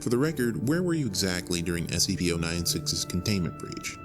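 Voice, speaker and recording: A guy doing a formal questioner, super low voice, pitch moves a lot, music under it. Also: big pitch swings, brisk. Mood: probing. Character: probing male official interviewer.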